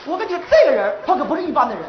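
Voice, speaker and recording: A man's voice: very high-pitched, sing-song, racing, crowd noise, background noise. A young man, playing a brash, boastful boyfriend in a stage comedy sketch. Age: young adult. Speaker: daughter's boyfriend. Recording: roomy, dull stage recording.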